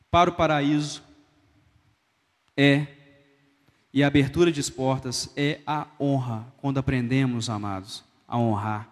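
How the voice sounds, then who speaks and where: A male pastor preaching a sermon in a church, telling a story with emphatic, rising delivery. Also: on the high side. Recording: echoey church hall.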